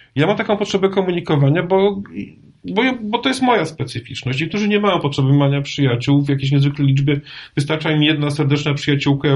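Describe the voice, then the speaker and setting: Rattling along at a very fast pace, a man talks at a fairly high pitch with lively intonation. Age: 40s. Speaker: podcast co-host, salesman. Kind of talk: casual chat.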